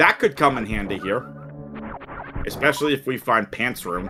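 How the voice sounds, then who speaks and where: Over music in the background, a man with a Boston accent speaks at a moderate pace. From New England, Boston area. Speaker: race commentator. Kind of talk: live commentary.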